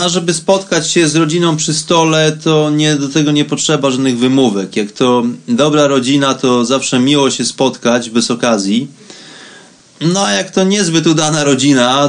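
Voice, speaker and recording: Reflective man hosting a spirituality show. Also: mid-range voice. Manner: conversational, addresses the listener directly. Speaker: host of a spirituality radio show. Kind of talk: reflective solo monologue to listeners.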